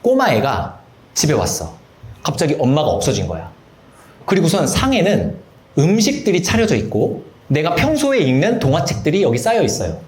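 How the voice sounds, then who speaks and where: Animated man giving a church lecture. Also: on the high side, moderate pace, roomy sound. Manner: animated, acts out quoted voices. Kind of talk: Bible study lecture.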